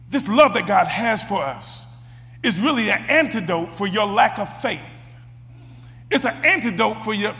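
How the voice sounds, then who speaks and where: A man preaching a sermon, who stumbles over and repeats words and builds up to shouted exclamations. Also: high-pitched, big-room sound.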